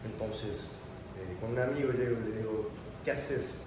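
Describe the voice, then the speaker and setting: A man from Mexico talks casually as an interview guest, wandering through his thoughts and dropping in English words now and then. He sounds far from the mic in a strongly echoing room, with clear noise behind him. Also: fairly low pitch, moderate pace. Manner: relaxed, meandering, mixes in English words. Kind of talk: casual conversation. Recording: roomy, distant mic with clear background noise.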